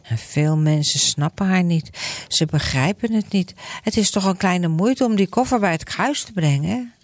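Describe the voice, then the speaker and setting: Woman storyteller, lowish voice, lively Christian story reading, dry room. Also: moderate pace, no echo.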